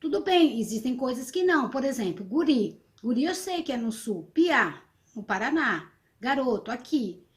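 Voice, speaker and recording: This middle-aged teacher from São Vicente, Brazil, has a high voice and speaks at a moderate pace with a sing-song lilt. Interviewed while addressing students, she explains things patiently but hesitantly, full of fillers and restarts.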